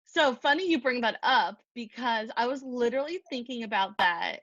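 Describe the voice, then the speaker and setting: A woman's voice: fairly high pitch, lively intonation, moderate pace, fairly bright tone, no echo. A woman co-hosting a podcast in casual chat, giggly and chatty. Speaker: podcast co-host. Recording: dull, dry lo-fi sound.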